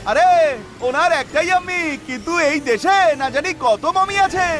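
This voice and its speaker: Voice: very high-pitched, animated, moderate pace. An actor voicing a plucky, bossy older-brother cartoon cat, speaking emphatically in a children's dub. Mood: reassuring. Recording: loud music behind the voice.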